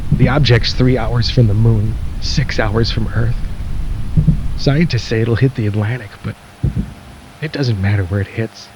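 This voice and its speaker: A man playing a doomed radio host in a radio drama, speaking gravely and deliberately as he broadcasts to the end. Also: mid-range voice, darkish tone, lo-fi sound, slight background noise, close to an everyday voice. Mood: grim resignation.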